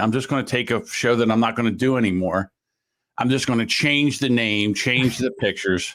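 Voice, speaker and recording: A man's normal speaking voice at medium pitch, lively in intonation and fairly quick, on a very clean recording with a silent background. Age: 60s. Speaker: podcast host. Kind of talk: casual chat.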